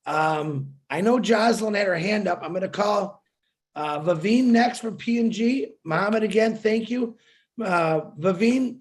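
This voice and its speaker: A man hosting an online video call, calling on speakers and encouraging them. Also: high voice. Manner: warm, encouraging, calls on speakers. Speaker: host. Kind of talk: moderating an online panel.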